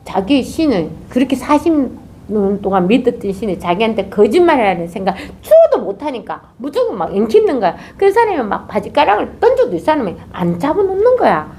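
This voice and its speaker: A woman's voice: on the high side, brisk. A woman giving a dharma talk as a Zen teacher, telling a story and acting out its characters. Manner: animated, acts out characters.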